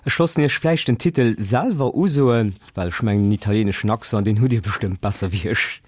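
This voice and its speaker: A man's voice: fairly low pitch, a little fast, dry recording. A man hosting a radio interview, giving short prompts and introducing music. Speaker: radio host.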